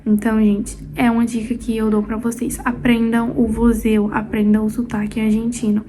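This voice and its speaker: A young Brazilian woman with a Brazilian Portuguese accent, tutoring for a Spanish exam in a casual, chatty way, often pausing on fillers and restarting her sentences. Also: a little high, monotone, dark tone, a little hiss or hum, poor audio. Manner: chatty, loose, with frequent hesitation fillers and restarts. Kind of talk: casual explanatory talk to camera.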